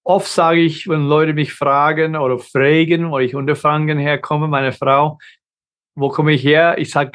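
A man's voice: fairly high pitch, a bit bright. A middle-aged man from the United States with an American accent, a guest consultant talking in his second language, with frequent restarts and grammar slips. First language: English. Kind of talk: conversational interview.

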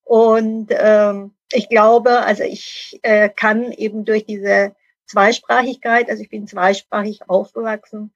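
A woman's voice: mid-range voice, level tone, takes it slowly, no echo, dull audio. A middle-aged woman speaking as a podcast guest, explaining her work thoughtfully with many hesitations. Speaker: podcast guest, Lean consultant and author. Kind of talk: conversational guest talk.

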